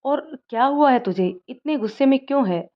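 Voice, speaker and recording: A woman's voice: high voice, expressive, normal speed, muffled recording, pitched above the performer's own voice. A woman reading a teasing young male friend.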